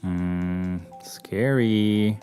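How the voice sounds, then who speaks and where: A man's voice: lowish voice, extremely slow, warm tone, smooth, soft background music. A man streaming a game, chatting casually and muttering and swearing at what happens on screen. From Albania. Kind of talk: casual gameplay chat.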